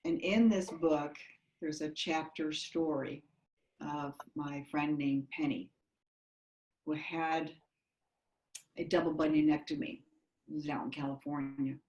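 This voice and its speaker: A woman author answering an interview question in measured, pausing speech. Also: deep voice, fairly even intonation, darkish tone, lo-fi sound. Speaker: guest author. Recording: roomy echo.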